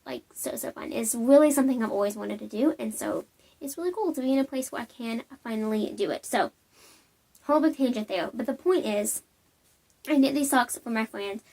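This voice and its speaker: A woman's voice: on the high side, fairly quick, creaky, mellow. A young woman hosting a knitting podcast, chatting casually and bubbly to camera from home, with lots of "um"s and tangents.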